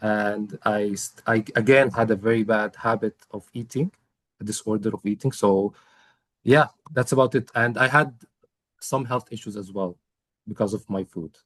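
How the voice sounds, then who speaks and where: In a testimonial interview, a young Egyptian man describes his own experience as a coaching client. His somewhat low voice stays steady, earnest and measured, broken by frequent pauses and fillers. The recording is dry and close, with no echo.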